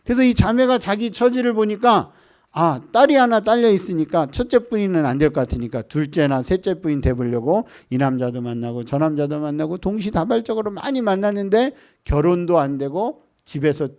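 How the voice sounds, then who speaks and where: A man preaches a sermon to a church congregation, his voice sitting a little high. He moves from quiet, hushed storytelling to lifted, emphatic lines. He also leads the room in reading scripture aloud. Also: expressive, a little fast. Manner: swings between soft hushed storytelling and raised emphatic lines. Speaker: missionary preacher. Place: church service.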